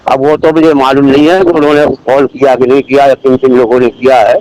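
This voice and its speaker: A man speaking as a Muslim cleric in a phone debate, defending his position haltingly and repeating himself. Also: medium pitch, little pitch movement, a little mellow. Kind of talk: religious debate on a phone call. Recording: noisy phone call recording.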